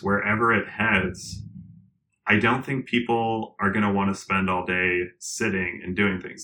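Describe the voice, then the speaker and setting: Bright-toned man talking in an interview. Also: fairly low pitch, rough recording. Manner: animated, rambling with fillers and restarts; laughs often. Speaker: interview guest, tech founder. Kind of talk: casual conversational interview.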